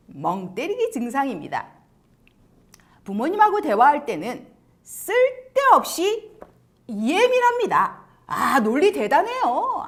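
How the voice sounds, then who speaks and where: Brief: woman education lecturer, expressive storyteller with a very lively voice. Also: high voice. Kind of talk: lecture to parents.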